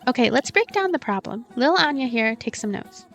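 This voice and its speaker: A woman's voice: on the high side, big pitch swings, fairly quick, creaky, fairly bright tone, faint music behind, exaggerated voice. A woman voicing a dignified, teacher-like young woman who takes charge in a story game, reasoning in an orderly, bossy way. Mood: brisk, composed.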